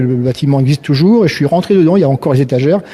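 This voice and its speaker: At a very fast pace, a man speaks with a fairly high pitch and a dark, mellow, somewhat breathy tone. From northern France, Caudry (Nord). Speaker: photographer. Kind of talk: interview. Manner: halting, many hesitations.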